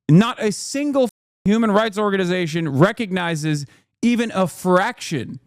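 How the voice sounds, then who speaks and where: A man with a notably high voice hosts a livestream, reacting with sarcastic, profane and animated commentary. He is close to the mic and sounds dry, with no room around him. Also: dry recording. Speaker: livestream host.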